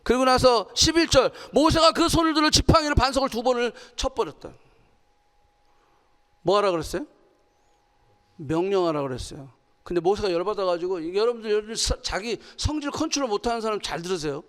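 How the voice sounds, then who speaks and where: A woman's voice: mid-range voice, brisk. A woman pastor giving a sermon, questioning her congregation and acting out quotes with energy. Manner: animated, asks the congregation questions and acts out quotes. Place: church sanctuary. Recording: long hall reverb.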